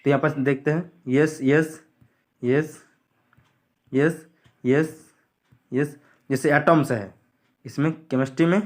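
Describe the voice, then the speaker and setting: A male teacher with a somewhat high, fairly even voice goes through a school syllabus on screen. He speaks slowly with frequent pauses, plainly repeating what to study and what to skip.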